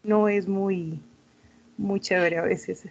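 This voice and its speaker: A woman's voice: mid-range voice, fairly even intonation, slow pace, creaky, a little mellow, dull audio. A woman student reflecting personally during a class discussion, often restarting her phrases as she thinks.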